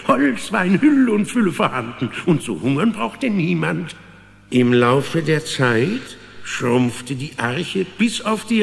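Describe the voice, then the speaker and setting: A man's voice: mid-range voice, creaky, in a large hall, heavily acted. An actor playing a kindly old male woodworm who narrates a children's audio drama, chuckling and looking back as he addresses his listeners.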